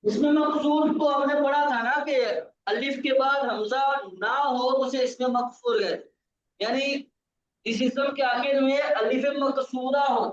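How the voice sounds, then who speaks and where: This grammar lesson comes from a man whose voice is very high-pitched, with fairly even intonation and a measured pace, plus a little hiss or hum. Patient and repetitive, he keeps confirming his student follows, recorded with distant, roomy, dull lo-fi sound.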